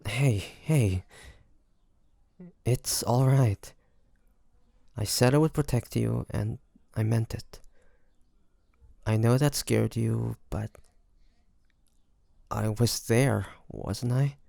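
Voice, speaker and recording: A man playing a roguish, protective pirate captain in a scripted audio roleplay, talking teasingly and intimately to the listener in a gravelly voice. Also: mid-range voice, drawn-out words, long pauses, warm tone, no room sound, clean studio sound, exaggerated voice. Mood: soothing, protective. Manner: teasing, smooth-talking, intimate pet names. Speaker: voice actor.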